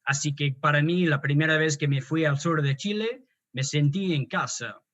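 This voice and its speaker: Australiano con voz apagada y titubeante. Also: male voice, fairly high pitch, moderate pace, a bit bright, lo-fi sound. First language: English. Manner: hesitant, many restarts and fillers. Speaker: guest poet and translator. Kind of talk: conversational interview.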